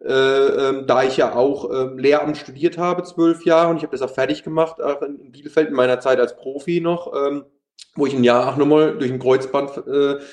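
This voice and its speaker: A man's voice: medium pitch, fairly even intonation, normal speed, darkish tone, roomy sound. Man with a Palatinate German accent. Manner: hesitant, many fillers and restarts. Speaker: former pro footballer, youth coach. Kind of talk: interview, casual talk.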